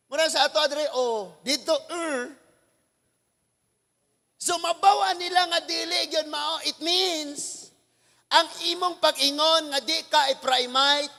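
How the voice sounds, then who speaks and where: Male pastor from the Philippines, very high and forceful voice, animated sermon, long hall reverb. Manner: animated preaching, mixing in English scripture, bursts of shouting.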